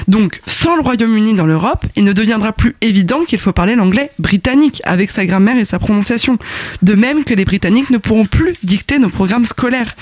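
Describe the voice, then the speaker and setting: A man's voice: high-pitched, dry recording. A man hosting an explainer video, playful and wry, laughing often. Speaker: host.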